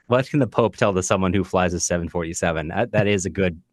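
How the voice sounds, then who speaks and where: A man's voice: sits low, fairly quick, no echo. A man from California with an American accent, co-hosting a casual literary discussion in a reflective way with some wry joking. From California, USA. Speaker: podcast co-host.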